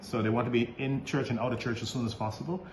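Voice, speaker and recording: A man in his fifties, a Catholic priest, answering interview questions in a halting way with many restarts and easy laughs. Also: mid-range voice, steady tone, a little mellow. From Barbados. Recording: roomy recording with faint background noise.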